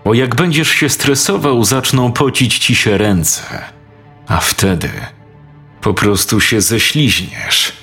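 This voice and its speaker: A man voicing a cold, menacing dentist who torments his victims, speaking in a slow, measured way in a dramatized audio story. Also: sharp tone. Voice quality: deep gravelly, slow and measured. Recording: faint music behind.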